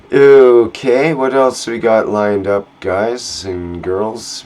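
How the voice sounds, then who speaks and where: Noticeable background noise beneath a male voice of ordinary pitch variation. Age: 60s. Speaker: online group host. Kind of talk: casual chat.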